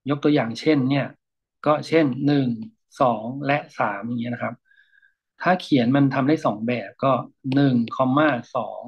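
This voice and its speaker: A man teaches a reading class, walking through an article and stopping to explain grammar at an unhurried pace. His voice is a little husky, and the recording sounds muffled and lo-fi. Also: medium pitch. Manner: unhurried, frequent polite particles and hesitations. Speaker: lecturer.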